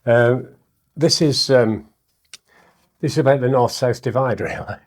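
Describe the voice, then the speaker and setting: A middle-aged poet and comedian from northern England speaks casually as an interview guest, self-deprecating, with a northern English accent, and recites poetry during the chat. His voice is medium-pitched and a little slow.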